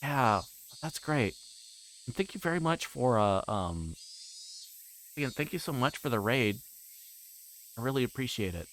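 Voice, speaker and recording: A man hosting a livestream, chatting casually in a halting, rambling way and often repeating words as he plays a game. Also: medium pitch, lively intonation, a bit bright, slight background noise. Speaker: livestream host. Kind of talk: casual livestream chat while playing a visual novel.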